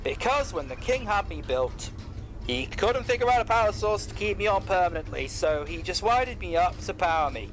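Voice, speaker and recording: A high-pitched, courteous mechanical man, acted by a man in an audio drama. He speaks formally and explains things with loyal politeness, over music. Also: expressive, moderate pace, a bit bright, poor audio. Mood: matter-of-fact. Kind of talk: scripted audio drama acting.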